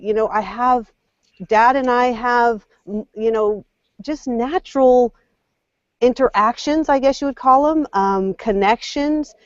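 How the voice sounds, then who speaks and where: A woman in her forties, a mother and guest, speaking openly and warmly from the heart on a casual panel show, thinking aloud as she goes. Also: fairly high pitch, no room sound, dull audio.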